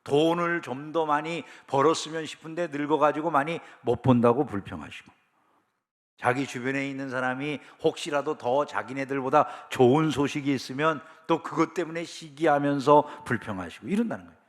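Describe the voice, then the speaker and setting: Korean pastor preaching in a reverberant church. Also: male voice, on the high side, normal speed. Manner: conversational preaching with rhetorical questions. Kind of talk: sermon. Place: church sanctuary.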